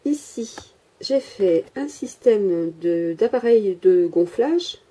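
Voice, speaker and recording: A woman's voice: medium pitch, lively intonation, slow pace, mellow, breathy edge. A woman chatting casually while filming her handmade miniature workshop, rambling with many hesitations and joking at herself, picked up by the microphone of the camera she holds. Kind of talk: casual chatty show-and-tell. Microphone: handheld camera mic.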